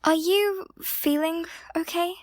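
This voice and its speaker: A woman's voice: very high voice, fairly even intonation, slow pace, dry recording, clean studio sound. A woman playing a confused, musing young woman in an amateur audio drama.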